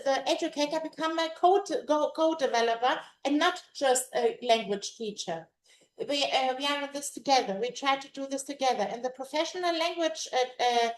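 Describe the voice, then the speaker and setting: High-pitched woman, native greek and german speaker, halting english talk at a conference, lots of restarts, roomy echo. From Greece. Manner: halting, searching for words, with many restarts. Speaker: language teacher presenting at a conference. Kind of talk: conference presentation. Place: conference room. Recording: echoey room.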